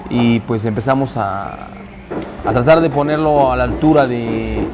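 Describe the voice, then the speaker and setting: A Mexican man in his forties gives an interview in a busy taquería, speaking in a relaxed, conversational way with frequent restarts. His voice sits in a middle register, and clear background music runs underneath. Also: mid-range voice, unhurried. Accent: Mexican Spanish. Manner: conversational, hesitant restarts, fond storytelling. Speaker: taquería owner. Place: busy taquería dining room, indoors. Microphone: camera interview, seated.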